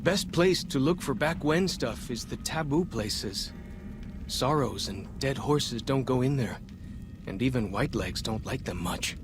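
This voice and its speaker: A young, curious tribal guide from a video game, voiced by a man. He has a medium-pitched voice and talks earnestly in simple, halting phrases, with music clearly playing underneath. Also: lively intonation, close to an everyday voice. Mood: helpful, earnest. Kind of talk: video game cutscene dialogue.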